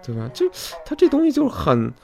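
Gravelly man chatting. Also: very high-pitched, wildly swooping pitch, fast, dark tone, faint music behind. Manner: chatty, folksy, often asks "right?". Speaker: podcast host. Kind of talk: casual explanatory monologue.

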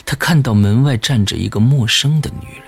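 A man reading a horror story as the narrator, slow and suspenseful, with dramatic pauses. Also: medium pitch, gravelly, slightly rough, dry recording.

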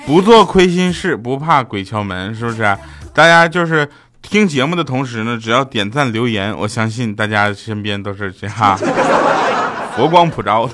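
Lively man telling comic stories. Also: medium pitch, moderate pace, music in the background. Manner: animated storytelling, jumps into quoted voices. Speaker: comedy podcast host. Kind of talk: casual comic monologue.

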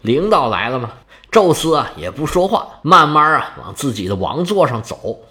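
A man narrating a myth in a lively, colloquial storytelling style with chatty asides. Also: on the high side, moderate pace.

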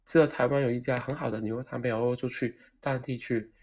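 A man's voice: mid-range voice, quick pace, creaky, breathy edge. Hong Kong man telling funny stories. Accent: Cantonese-accented Mandarin. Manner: animated, self-mocking, acts out dialogue. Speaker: vlogger. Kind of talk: comedic personal storytelling.

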